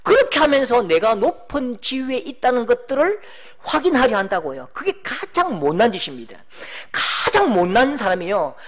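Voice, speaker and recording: Preaching with great animation, this middle-aged pastor performs the voices of those he quotes and shouts for emphasis. He's a man with an extremely high pitch.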